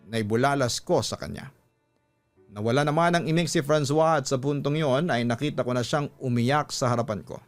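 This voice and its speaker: A man with a Filipino accent narrating a first-person story dramatically, as a radio storyteller. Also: mid-range voice.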